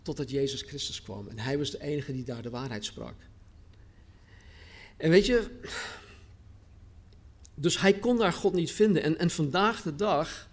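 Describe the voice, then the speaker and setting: Earnest preacher man, slightly high voice. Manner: earnest, repeats phrases for emphasis, slows on key words. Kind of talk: sermon with scripture reading.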